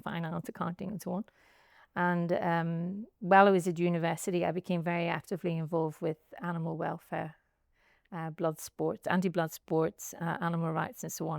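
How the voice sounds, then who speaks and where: A woman with a Northern Irish accent speaks in a low, gravelly voice, thinking aloud as she tells her story. She is unhurried and reflective, and pads her answers with "um" and "and so on." The sound is close and dry. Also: no room sound. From Northern Ireland. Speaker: guest, chartered accountant and academic. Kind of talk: conversational interview answers. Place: outdoors by a pool.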